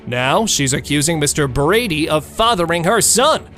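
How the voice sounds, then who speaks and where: A man's voice: fairly high pitch, animated, normal speed, a bit bright. A man reading dramatic scripted narration as a recap narrator. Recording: music bed under the voice.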